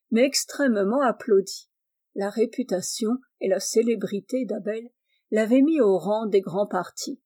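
A woman reading a classic novel aloud as narrator, steady and expressive. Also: mid-range voice. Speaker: audiobook reader.

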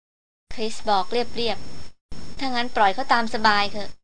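Brief: a woman playing a gentle young woman scientist, quiet and warm-hearted, a touch high in pitch. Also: measured pace, a little hiss or hum, rough recording. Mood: calm. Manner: soft, gentle.

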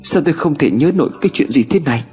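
A hysterical young woman in a hospital, her voice put on by a man high and shrill. She cries out in panic and pleads in fear. Soft music plays behind her in this storybook reading. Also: lively intonation, very fast, close to an everyday voice. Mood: panicked.

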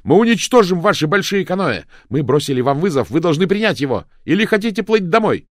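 A man shouting as a defiant island man. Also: on the high side, sing-song, fairly quick, dry recording, clean studio sound, voice pushed up.

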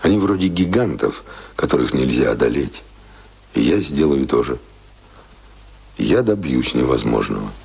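An actor playing a passionate, embittered young writer in a Russian radio play, declaiming proudly and scornfully in long tirades. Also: male voice, extremely low pitch, big pitch swings, normal speed, gravelly, long pauses, darkish tone, breathy edge, full character voice. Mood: fervent, determined.

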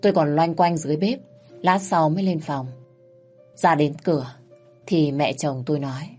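A woman narrating a first-person story in a calm, measured way, over faint background music. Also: sits low.

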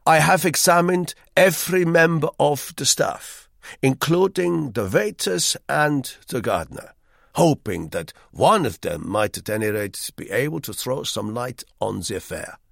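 A man voicing a grave, formal hotel manager who speaks in a measured way. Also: mid-range voice, animated, gravelly, no room sound, clean studio sound, pitched above the performer's own voice.

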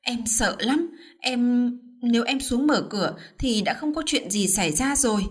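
Brief: woman voicing a young villainess, high and breathy, cruel and deceitful. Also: a little slow. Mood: feigned trembling. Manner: shrill menace, then feigned tearful stammering.

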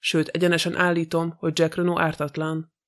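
A fussy, proud older detective, voiced by a male reader speaks in a precise, polite way. The voice sits fairly high and stays flat and even, with little rise or fall, as in a plainly read audiobook. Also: close to an everyday voice.

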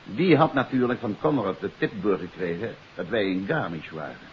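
An actor playing a confident detective who explains a case in an assured, emphatic way, in 1950s radio drama style. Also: male voice, low-pitched, animated, normal speed. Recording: dull, hissy 1950s radio recording.

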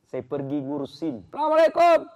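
A man preaches a lively, story-filled sermon. His voice sits high and leaps wildly in pitch, swinging from loud exclamations to low, quiet asides. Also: moderate pace, lo-fi sound. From Makassar, South Sulawesi. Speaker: ustaz, preacher. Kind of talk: lively sermon with humorous stories.

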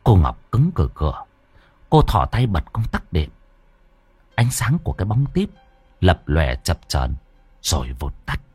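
A man's voice: big pitch swings, a little slow, long pauses, a little mellow, slightly rough, no echo. A man narrating a ghost story dramatically. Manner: dramatic, swinging pitch.

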